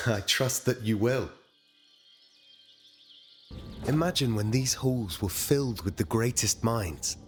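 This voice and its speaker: A man's voice: mid-range voice, a little slow, natural voice. An actor playing an earnest young male warrior hero in a video game, with dramatic delivery. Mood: calm. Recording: loud game music underneath. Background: loud game music.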